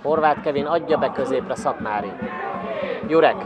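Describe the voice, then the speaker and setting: Excited male football commentator over crowd noise. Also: medium pitch, lo-fi sound. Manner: excited, rising to shouts at chances. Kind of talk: live football match commentary. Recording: crowd noise behind, outdoor stadium. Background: crowd at an outdoor football ground.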